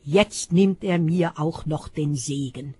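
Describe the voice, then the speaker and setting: Bitter elder son, pleading, slow and breathy, read by the narrator. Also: mid-range voice, warm tone, dry recording.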